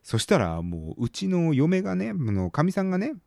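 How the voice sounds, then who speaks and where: A man in his thirties talks alone in a loose, rambling way, full of fillers and sudden overblown exclamations. His pitch swings widely and stays animated throughout. The sound is dry and close, with no room echo. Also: moderate pace, vocal fry. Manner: rambling, chatty, with hesitant fillers; bursts into exaggerated exclamations. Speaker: podcast host. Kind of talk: casual solo chat.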